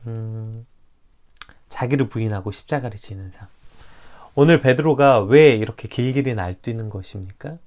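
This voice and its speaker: In a livestreamed morning devotional, a preacher delivers an animated sermon, asking listeners questions and acting out quoted prayers. The voice is mid-range at a normal speed.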